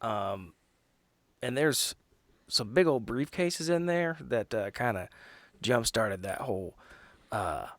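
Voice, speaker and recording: A man chatting casually as a tabletop game player, halting and wisecracking as he slips into character. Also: mid-range voice, animated, no room sound.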